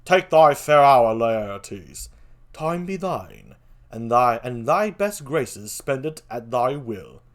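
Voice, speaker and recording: Commanding king read by a man, genial, declamatory, very animated intonation, classical stage verse. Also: mid-range voice, takes it slowly. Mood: regal, commanding. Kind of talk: theatrical Shakespeare reading.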